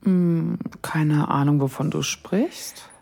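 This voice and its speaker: A woman's voice: deep voice, takes it slowly, gravelly, mellow, breathy edge, exaggerated voice. A woman playing a confident, playfully dominant lover in an erotic audio drama. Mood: amused.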